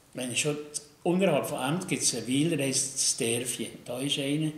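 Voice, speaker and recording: Noticeable background noise sits under the recording. The man's delivery moves at a moderate pace. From Upper Valais, Switzerland. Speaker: chapel illustrator. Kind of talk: interview answer. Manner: casual, hesitant.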